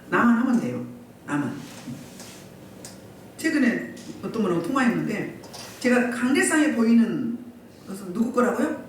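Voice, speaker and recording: This woman pastor's Sunday sermon is measured and full of pauses, her slightly high voice swinging widely in pitch as she pushes the congregation with rhetorical questions again and again. The sanctuary recording is far off and echoey, with a little hiss or hum.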